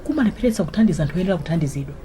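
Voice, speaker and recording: A woman's voice: on the low side, rapid-fire, slight background noise, natural voice. A woman with a Malawian accent playing a spirited, opinionated young student bantering in a radio drama. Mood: animated, opinionated. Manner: animated, bantering. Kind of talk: vernacular radio drama acting.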